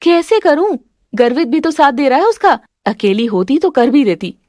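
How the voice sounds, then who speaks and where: A woman's voice: high voice, big pitch swings, moderate pace, a little mellow, no room sound, clean studio sound. A woman doing a stern, scolding mother-in-law. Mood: worried. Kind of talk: Hindi family drama voice acting.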